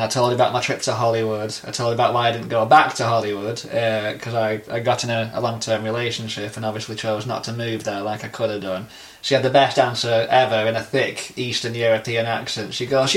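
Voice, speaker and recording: A man's voice: mid-range voice, fast talker. Chatty storytelling man on a podcast. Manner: chatty storyteller, relaxed and self-amused. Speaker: podcast co-host. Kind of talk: casual podcast chat.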